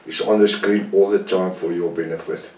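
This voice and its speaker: An older man from South Africa with an Afrikaans-tinged accent, leading a Bible study with slow, deliberate delivery, pausing on fillers and correcting himself. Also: deep voice, fairly even intonation, darkish tone, reverberant, far from the mic, rough recording. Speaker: Bible teacher.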